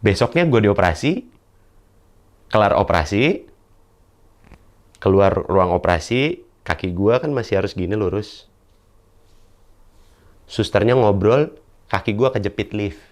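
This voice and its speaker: A young man, performing a stand-up storytelling monologue. He acts out the other people in his story with sudden high-pitched shouts. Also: animated, unhurried, long pauses. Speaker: stand-up comedian.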